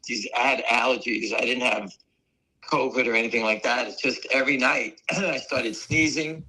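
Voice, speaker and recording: A man with a voice hoarse from weeks of coughing, chatting in a rambling way as a guest on a live stream. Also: medium pitch, steady tone, normal speed, bright, forceful tone, low-quality recording. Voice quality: gravelly, raspy. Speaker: guest on a stock market stream. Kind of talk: casual chat.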